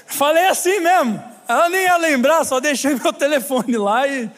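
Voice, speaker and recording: Brazilian male pastor, very high voice, funny storyteller, preaching in a reverberant church hall. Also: moderate pace, a bit bright. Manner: humorous storytelling, chatty asides to the congregation. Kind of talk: sermon.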